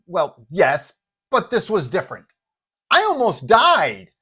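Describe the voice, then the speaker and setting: Man doing a whiny, exasperated, loud superhero. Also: sits high, huge pitch swings, slow, husky, voice pushed up, heavily acted. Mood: insistent. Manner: complaining, exasperated. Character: rattled, whiny male superhero, irritable and dramatic.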